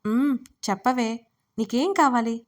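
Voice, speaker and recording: A woman's voice: a little high, a little slow, natural voice. A woman voicing a playful young man who teases his cousin in an audio story. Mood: teasing. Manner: teasing, playful.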